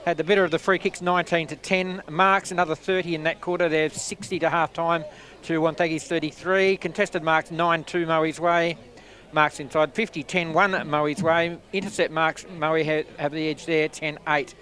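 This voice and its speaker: A man reading out match statistics in a steady, list-like way, with a few fillers. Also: a little high, normal speed. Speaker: stats man.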